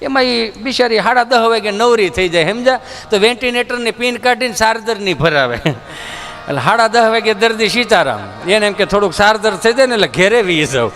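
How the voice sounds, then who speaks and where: A man's voice: sits high, animated, a little fast, fairly bright tone. A man with a Kathiawadi Gujarati accent telling folksy stand-up stories in a chatty way, acting out characters. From Gujarat, India. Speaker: stand-up comedian. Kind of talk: stand-up storytelling.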